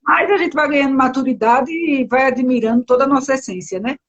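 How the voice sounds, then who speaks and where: High-voiced and brisk, this entrepreneur from Recife, Brazil, carries a Pernambuco accent and comes through with lo-fi sound. As a guest on a casual live-stream interview, she rambles chattily, full of fillers and correcting herself often.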